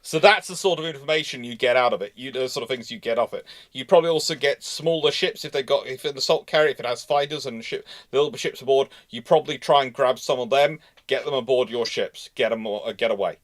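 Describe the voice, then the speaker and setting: A man's voice: mid-range voice, quick pace, few pauses. A man hosting a live history question and answer discussion, explaining in an emphatic, repetitive, digressive way. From Britain. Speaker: naval history show host.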